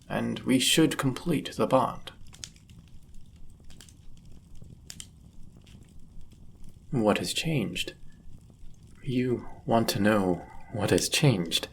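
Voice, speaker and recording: A man's voice: medium pitch, vocal fry, slight background noise. A man voicing a powerful, possessive demon in love, speaking intensely and formally in a dramatic fantasy audio roleplay. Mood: earnest, possessive. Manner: intense, deliberate, formal and archaic phrasing. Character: powerful, possessive, lovestruck male demon bound to a sorcerer.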